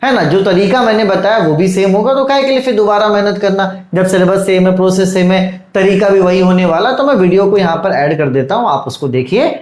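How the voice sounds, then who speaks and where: A man's voice: sits high, brisk, hardly any pauses, a little mellow. A man giving a casual video lecture as an online tutor, fatherly, calling his students "beta" and checking they follow. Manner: fatherly, calls students "beta", keeps asking "theek hai". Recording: echoey room.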